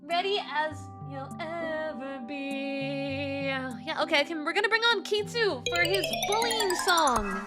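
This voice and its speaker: A woman streamer chatting casually with her audience. She is excitable and swings between loud squeals and soft mumbles. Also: high-pitched, measured pace, hardly any pauses, music in the background. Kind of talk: casual live-stream chat.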